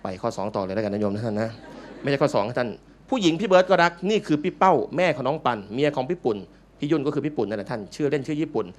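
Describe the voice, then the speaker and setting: A Buddhist monk giving a playful, joking dharma talk to a live audience in a large meeting hall. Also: male voice, medium pitch, lively intonation, racing, a little hiss or hum.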